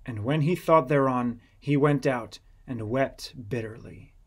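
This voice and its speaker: A man's voice: mid-range voice, unhurried. A man reading scripture as an audiobook narrator, in a solemn, dramatic storytelling manner.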